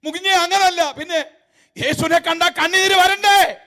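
A man preaching a sermon in a very high voice. He swings between loud, emphatic shouting and quiet, wry asides. He tells mocking, humorous stories along the way. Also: fairly even intonation, moderate pace.

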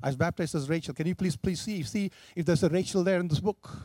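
A man's voice: high-pitched, quick pace, darkish tone, no room sound. A man voicing a young mother who begs for mercy, repeating her pleas. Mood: anxious. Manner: begging, repeating words. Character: young mother pleading for mercy, woman, desperate.

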